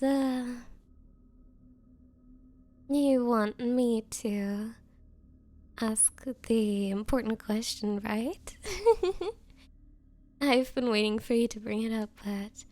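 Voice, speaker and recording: A woman playing a nervous, obsessive young woman on a date in an anime-style ASMR roleplay, speaking haltingly and flustered. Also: a little high, darkish tone, no echo. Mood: nervous, coy. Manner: halting, flustered, breathy hesitations. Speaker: roleplay voice performer.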